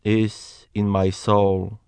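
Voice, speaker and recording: Slow earnest man with a Polish accent. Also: fairly low pitch, flat delivery, a little mellow, clear, resonant tone, no room sound. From Poland. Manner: slow, earnest, emphatic preaching. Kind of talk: personal testimony, Bible reading.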